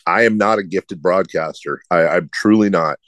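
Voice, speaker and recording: A man's voice: deep voice, moderate pace, fairly bright tone, dry recording. A middle-aged man who hosts sports radio, with a slight lisp and a nasal, droning voice, answering interview questions in a rambling, self-deprecating way.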